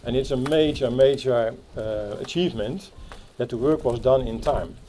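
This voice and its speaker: A man with a Dutch accent giving a halting speech at a playground opening, with many fillers and restarts. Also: mid-range voice, mellow, a little hiss or hum. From Netherlands. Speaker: Rotary club speaker. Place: outdoor playground.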